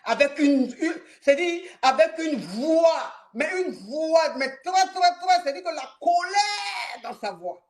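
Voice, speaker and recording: A woman's voice: sits high, a little slow, few pauses. A woman telling a dramatic story on a live stream, repeating phrases for effect and stopping to answer viewers. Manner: animated, repetitive, dramatic retelling.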